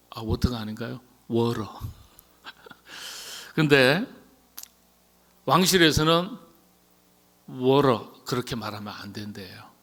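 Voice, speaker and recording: A middle-aged Korean pastor preaching at a midweek prayer meeting, talking casually, putting questions to the congregation and sometimes dropping to a whisper. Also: male voice, medium pitch, creaky. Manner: conversational, asks the congregation questions and answers himself; drops to a whisper at the ends of phrases. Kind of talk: sermon at a Wednesday prayer meeting.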